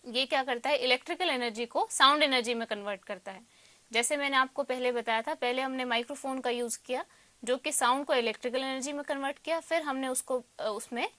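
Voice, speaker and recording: A woman's voice: high-pitched, a bit bright, no room sound. A woman with an Indian accent lecturing as a teacher, posing questions and answering them herself, repeating points and switching between two languages. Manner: explanatory, repeats points, mixes Hindi and English. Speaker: electronics teacher. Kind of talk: lecture with self-posed questions.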